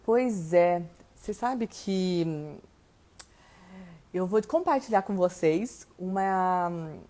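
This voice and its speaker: A woman's voice: fairly low pitch, takes it slowly. Chatty woman hosting a live stream. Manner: chatty, tags nearly every phrase with a question word; greets viewers by name warmly and lively. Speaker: host of a live stream on family systems. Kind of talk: live stream chat, reading viewer comments.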